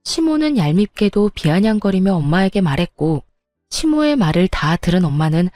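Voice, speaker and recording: Warm-voiced woman narrating a story. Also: lowish voice, very animated, normal speed, no room sound, studio quality, soft background music. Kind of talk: first-person story narration.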